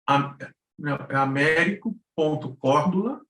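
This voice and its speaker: A man with a Brazilian accent giving a casual explanation as a guest, halting and searching for words, in an echoey room. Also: on the high side, a bit bright. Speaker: guest presenter, radio drama producer, cultural policy consultant.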